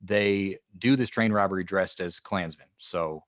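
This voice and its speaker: Man, low voice, dry close sound, casual history podcast host, reads from notes. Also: measured pace, no room sound.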